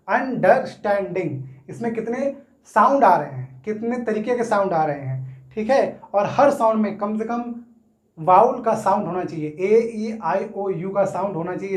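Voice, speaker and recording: Guy explaining english grammar in hindi, slow drawn-out words when he sounds stuff out, keeps saying theek hai na, echoey room. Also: high-pitched. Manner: explains step by step, often checks in with "theek hai na"; drawls words slowly when sounding them out. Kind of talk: casual Hindi classroom explanation. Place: room, writing on a board.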